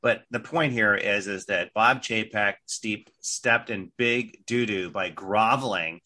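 A man hosting a casual political talk show, brash and emphatic, with quick interjections of agreement. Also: fairly low pitch, sharp tone. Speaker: host.

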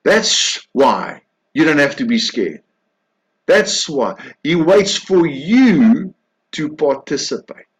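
A man preaching a sermon, emphatic, swinging between loud insistence and soft hushed tones. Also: on the high side, low-quality recording.

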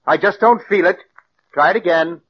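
A man's voice: high voice, normal speed, husky. An actor playing a cold, condescending male radio director who belittles his writer and cast, in an old radio drama. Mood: cutting. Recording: dull old radio broadcast with hiss.

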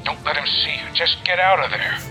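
A man playing a gruff, sardonic older treasure hunter with a dry manner in an audio drama. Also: fairly high pitch, fairly quick, sharp tone, soft background music. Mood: urgent.

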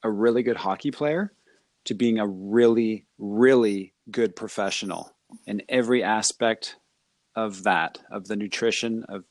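A man's voice: lowish voice, a little slow, no echo. A man hosting an interview, asking long, enthusiastic questions that ramble with restarts. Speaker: podcast host. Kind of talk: interview chat.

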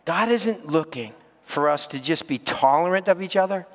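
High-voiced pastor preaching in a reverberant hall. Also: male voice, animated, normal speed. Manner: earnest preaching with rhetorical questions to the congregation. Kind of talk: sermon.

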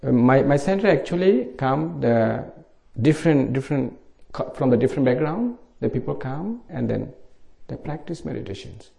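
A middle-aged Buddhist monk from Bangladesh with a Bangladeshi accent, giving an informal dharma talk in simple English at a meditation retreat. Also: male voice, mid-range voice, animated, moderate pace, gravelly, hardly any pauses, warm tone.

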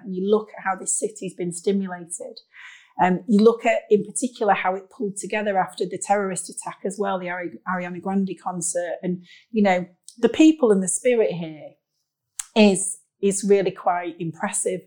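A woman with a Manchester accent speaks at a medium pitch. She talks conversationally as an interview guest, earnest and emphatic, often repeating phrases to press her point. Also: a little mellow, poor audio. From Greater Manchester, England. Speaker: company managing director, podcast guest.

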